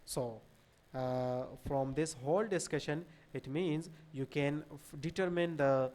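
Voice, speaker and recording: A man in his thirties with a South Asian accent giving an explanatory lecture, hesitant and repetitive, with frequent pauses. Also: fairly high pitch, darkish tone. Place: small indoor room at a desk.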